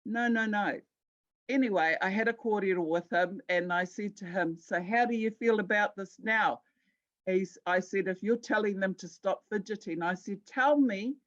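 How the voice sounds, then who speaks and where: A woman's voice: fairly high pitch, muffled recording. A woman with a New Zealand accent gives an educational talk, speaking conversationally, telling stories and repeating words for emphasis. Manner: conversational, storytelling, emphatic with repetition. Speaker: guest speaker at a Māori health conference.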